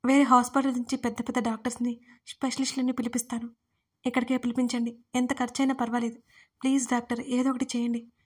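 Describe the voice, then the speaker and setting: A woman's voice: fairly high pitch, flat delivery, fast, breathy edge. A woman voicing a desperate young husband who pleads through tears in an audio story. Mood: pleading, grieving. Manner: pleading, urgent.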